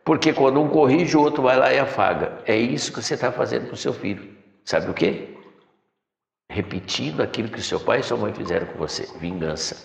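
Talking fairly quickly in a mid-range voice with vocal fry, this middle-aged spiritual teacher preaches from his chair in a decorated room. He calls listeners "my son," and the far camera records him in an echoey room with long reverb.

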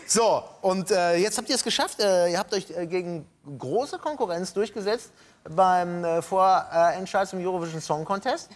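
A man's voice: high-pitched, moderate pace. A middle-aged man hosting a late-night TV talk show, joking casually with his guests and hesitating often. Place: TV studio with audience.

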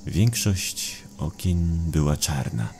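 A man narrates a horror tale in an extremely low, gravelly voice. His delivery is slow and brooding, with a dark, mellow tone. Faint ambient noise sits behind the storytelling. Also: expressive. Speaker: audiobook narrator. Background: atmospheric sound effects.

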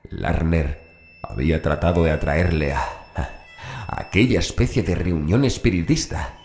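A man's voice: deep voice, measured pace, a little mellow, a little hiss or hum. A man reading a scripted horror story as an audiobook narrator. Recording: roomy echo with faint music. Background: background music.

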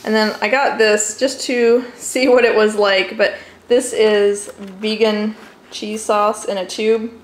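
Taking it slowly, a young adult American woman narrates a casual kitchen vlog about her groceries in a mid-range, level voice. She's chatty, and the home camera mic picks up clearly noisy audio.

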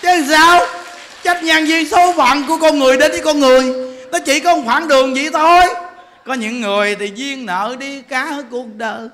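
Southern vietnamese monk preaching, bright sharp voice, keeps laughing and asking the crowd questions. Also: male voice, very high voice, steady tone, moderate pace, a little hiss or hum. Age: 40s. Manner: joking, laughing, many rhetorical questions. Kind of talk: dharma talk sermon.

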